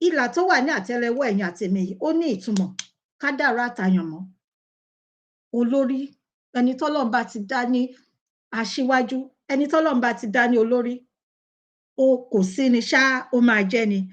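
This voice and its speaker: Nigerian woman hosting, slightly high voice. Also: fast. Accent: Nigerian Yoruba. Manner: conversational, addresses viewers by name. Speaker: talk show host. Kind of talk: casual talk show commentary.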